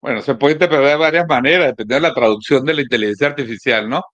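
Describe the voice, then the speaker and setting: A man comments on politics in a conversational way as a host. His voice sits at a medium pitch, in a dry, slightly dull recording. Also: rapid-fire, a bit bright, no echo.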